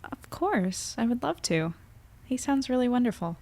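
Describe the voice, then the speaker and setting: Woman acting a creaky-voiced, unassuming teen. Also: a little high, big pitch swings, moderate pace, mellow. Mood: caring. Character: hesitant, self-deprecating, kind adolescent. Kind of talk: audio drama acting.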